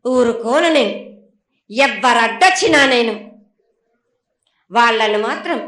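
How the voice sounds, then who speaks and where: A woman with a Telangana accent speaking as a festival oracle in a prophetic trance voice, stern and imperious, in halting, repetitive, chant-like phrases. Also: sits high, sharp tone.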